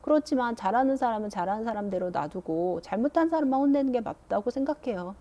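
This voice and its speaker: A woman voicing a resentful teenage girl who is annoyed at being scolded alongside her sister, speaking in a slow, aggrieved complaining way. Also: a little high, expressive, warm tone, natural voice.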